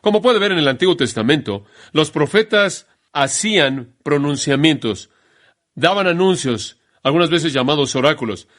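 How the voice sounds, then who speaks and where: A man preaching a sermon in an emphatic way, slowing down to stress key phrases. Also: fairly high pitch, animated, a bit bright.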